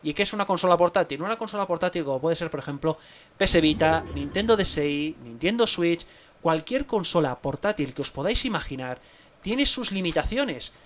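Excitable young Spanish gamer, fairly high voice. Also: male voice, brisk, a little hiss or hum. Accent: Spain Spanish. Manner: excitable, talks to himself, bursts into exclamations. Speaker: gaming streamer. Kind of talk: live gameplay commentary.

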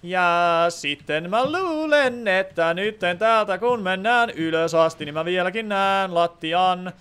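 A man's voice: high voice, fairly bright tone, clean tone. Chatty young man streaming a game. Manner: chatty, thinks aloud, reads chat comments. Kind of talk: casual gameplay commentary.

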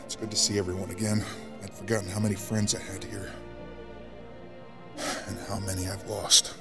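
An actor playing a friendly, wry veteran rebel colonel in a sci-fi audio drama, with a casual manner. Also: male voice, on the low side, flat delivery, normal speed, music in the background, close to an everyday voice. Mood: saddened. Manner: casual, joking, hesitant asides.

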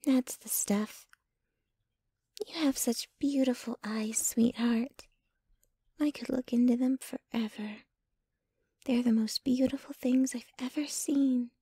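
Woman acting a high-voiced possessive yandere girlfriend. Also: fairly even intonation, takes it slowly, long pauses, mellow, no echo, exaggerated voice. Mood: possessive, breathy adoring. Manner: intimate, dramatic, swinging between ranting and breathy murmuring. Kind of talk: ASMR roleplay audio.

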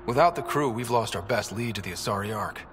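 A man playing a calm, steady space explorer leader. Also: lowish voice, fast talker, a little hiss or hum, lightly acted. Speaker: expedition leader. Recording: game audio with soft music behind.

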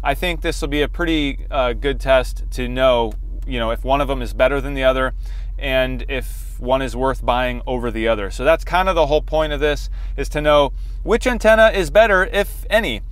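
A man's voice: mid-range voice, moderate pace, clean tone. A man in his forties hosting a casual product test, talking in a conversational way from inside a car. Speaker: host. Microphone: lapel mic.

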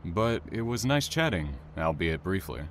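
A low-voiced man acting as a bookish, reserved train worker in an audio drama. His manner is formal and dry, with clear ambient noise behind him. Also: big pitch swings, moderate pace. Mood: polite, reserved.

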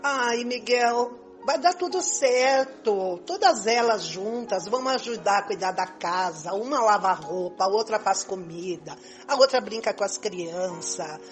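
A woman's voice: medium pitch, a little slow, faint music behind, close to an everyday voice. An older woman playing a possessive, wry lover in an amateur radio soap opera, coaxing as she talks.

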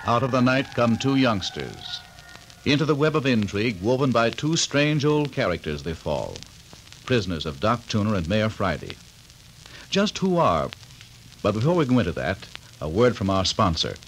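A man's voice: on the low side, very animated, normal speed. A male announcer narrating a 1940s radio serial in an ominous manner. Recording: old radio recording with faint hiss.

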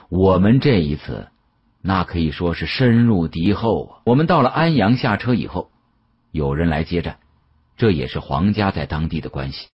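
Male audiobook narrator, husky rasp, low pitch, lively swings, conversational first-person storytelling. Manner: conversational, with colloquial sentence-ending particles. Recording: dull lo-fi audio.

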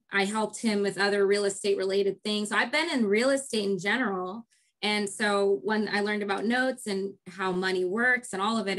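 Guest presenter, American woman, thirties, voice hoarse and giving out, casual conversational delivery over a video call. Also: medium pitch, fairly bright tone. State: hoarse, losing her voice. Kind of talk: casual interview talk. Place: indoor room, video call. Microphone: computer video-call microphone.

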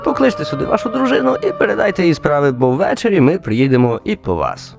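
An actor playing a sly, officious plainclothes police agent in a radio play, asking probing questions and giving smug orders. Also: male voice, on the high side, sing-song, fast talker, vocal fry. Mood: brisk, smug. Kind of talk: radio play character acting. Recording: music under the voice.

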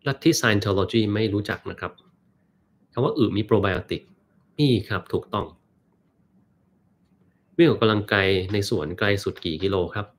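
Man, live-stream host, casual, joking, slightly low voice. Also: normal speed, pauses often. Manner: relaxed, joking, reads viewer questions aloud. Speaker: host answering live chat.

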